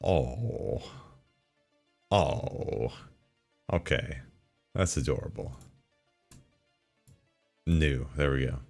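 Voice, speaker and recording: Deep-voiced sarcastic male streamer. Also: expressive, very slow, gravelly, pauses often, a little mellow, slightly rough, soft background music. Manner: sarcastic, chuckling asides. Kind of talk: casual chat reading forum posts between game loads.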